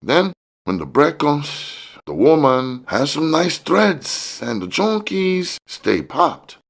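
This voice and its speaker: A man voicing a fat, smooth-talking, cocky Mexican drug dealer in an audiobook, using slangy street talk with bits of Spanish. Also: on the high side, sing-song, takes it slowly, pitched above the performer's own voice, exaggerated voice. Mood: laid-back, sly. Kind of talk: audiobook character dialogue.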